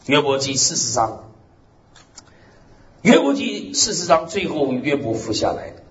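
A male pastor preaching with a lively, swooping delivery that keeps punctuating his points with amen and hallelujah. His voice carries through an echoey hall on a slightly muffled recording. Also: mid-range voice, a little slow. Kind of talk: sermon.

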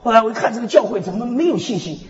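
A man preaching a sermon with lively storytelling, repeating "hallelujah, amen" again and again, swinging between loud and soft. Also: very high voice, very fast, a crowd in the background. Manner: peppers speech with "hallelujah, amen" refrains. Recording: echoey hall, dull lo-fi sound.

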